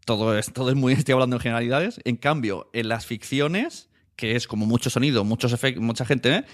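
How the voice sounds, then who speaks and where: A man's voice: mid-range voice, a little fast. A man from hosting a podcast in a casual, conversational way. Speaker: podcast host.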